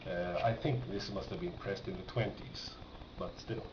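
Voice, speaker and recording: Low-pitched and steady in tone, a record collector speaks at normal speed while showing his finds. The talk is relaxed and unplanned, wandering and halting as he thinks out loud. A noisy home recording, it sounds muffled, roomy and distant.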